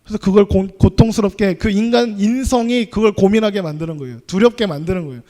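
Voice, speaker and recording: A man's voice: sits high, fast, mellow. A young adult man preaching a youth sermon in a conversational way, often putting questions to his listeners. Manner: conversational, asks the audience questions.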